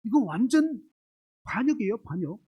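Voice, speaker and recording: A man's voice: high-pitched, very animated, moderate pace, husky, muffled recording. A man preaching a sermon, firing rhetorical questions at the congregation and illustrating his points with homely everyday examples. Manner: asks the congregation constant rhetorical questions, emphatic.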